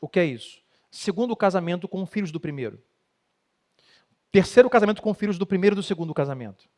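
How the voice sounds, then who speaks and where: A man's voice: sits high, animated, fast talker, darkish tone. A middle-aged man with a Brazilian Portuguese accent, a pastor preaching emphatically on marriage. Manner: emphatic preaching, acts out quoted spouses. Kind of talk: sermon talk on marriage.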